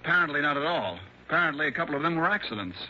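A jovial insurance executive with a very bright, forceful edge to his chummy, knowing talk. The sound is muffled like an old radio broadcast, with a faint hiss behind. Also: on the high side, expressive, rapid-fire. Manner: chummy, knowing, leering asides. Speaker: insurance company man. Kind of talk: 1960s radio drama acting.

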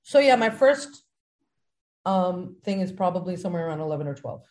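Low-voiced woman co-host, candid. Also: animated, brisk, darkish tone. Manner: candid, reflective storytelling. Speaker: podcast co-host. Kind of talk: casual chat.

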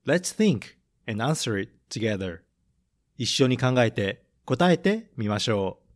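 A man reading a picture book aloud and running a gentle English vocabulary quiz for children, saying each line in English and then in Japanese. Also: medium pitch, big pitch swings. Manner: slow, careful delivery, repeating each point in English then Japanese. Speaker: storybook reader and English teacher.

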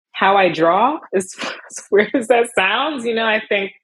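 Young woman, low husky voice, dry close sound, animated casual chat. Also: no echo, rough recording. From Miami, USA. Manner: animated, laughs often, many fillers. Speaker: illustrator guest.

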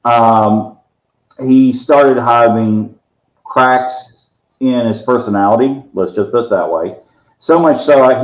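A man who heads a paranormal investigation team, explaining a case calmly and steadily at a medium pitch. His voice comes through an echoey room, giving it a roomy ring. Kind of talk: casual podcast conversation.

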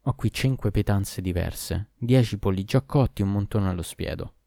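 Man reading as an impatient young man, hushed and clipped, low dark voice, dry. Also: normal speed, creaky, dry recording. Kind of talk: storybook reading.

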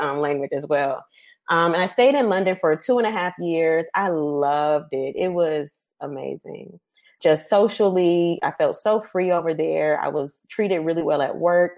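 A woman from Detroit telling her story as a podcast guest, lively and quick to laugh. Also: deep voice. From Detroit, Michigan. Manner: lively, laughs often, says "um" and "like". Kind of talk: conversational storytelling.

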